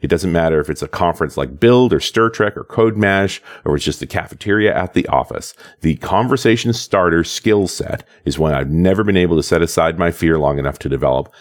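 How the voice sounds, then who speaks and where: A man's voice: low-pitched, a little fast, hardly any pauses. A man co-hosting a podcast in a casual, thoughtful chat, reading listener comments and musing on communication. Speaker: podcast co-host.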